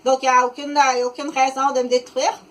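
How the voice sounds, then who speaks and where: A woman in her fifties with a Québécois French accent, talking unscripted to the camera in a rambling, halting way, full of fillers and restarts. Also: high-pitched, flat delivery. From Quebec, Canada. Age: 50s. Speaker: vlogger.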